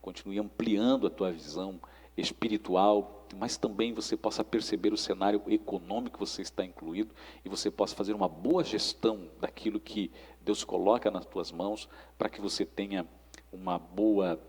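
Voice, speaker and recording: A man's voice: on the low side, fairly even intonation, normal speed, a little mellow, slightly rough. A Brazilian man hosting a Christian finance show, speaking conversationally in a didactic, preacherly way that exhorts listeners. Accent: Brazilian Portuguese. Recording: long echoing reverb.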